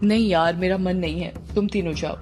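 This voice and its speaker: A woman's voice: fairly low pitch, steady tone, fairly quick, a little mellow, faint music behind, natural voice. A woman voicing a hesitant young man who answers his friends reluctantly.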